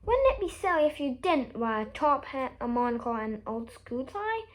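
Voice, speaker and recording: A woman voicing a silly, cheerful gentleman from a children's storybook in a playful manner. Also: high voice, sing-song, moderate pace.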